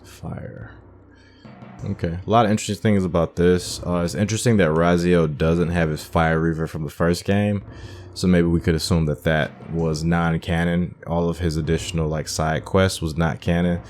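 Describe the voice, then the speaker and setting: A man with a low voice hosts a gaming video with casual commentary. He explains things informally, working through his thoughts aloud. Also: steady tone, normal speed, a little mellow, a little hiss or hum.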